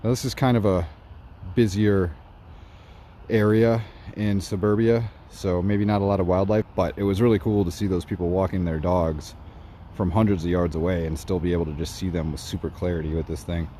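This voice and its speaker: A man reviewing gear in a casual night vlog, walking outdoors in a suburb and talking excitedly about what he sees. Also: sits low, brisk, slight background noise. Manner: excited, narrating while walking. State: slightly out of breath.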